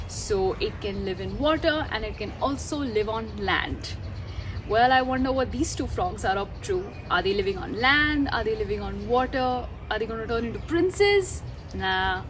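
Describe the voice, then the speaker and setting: A woman reading a story aloud to children outdoors, expressive and often putting questions to her listeners. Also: fairly high pitch. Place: outdoors under a mango tree. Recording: noisy outdoor recording.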